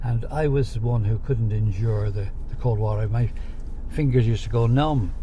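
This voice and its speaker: A man's voice: lowish voice, normal speed. A man in his eighties with a Dublin Irish accent, reminiscing casually in a hesitant, rambling, agreeable way. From Dublin, Ireland. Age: 80s. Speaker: interviewee looking back on his life. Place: inside a moving car. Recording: noisy car interior, dull sound. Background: loud road and engine noise.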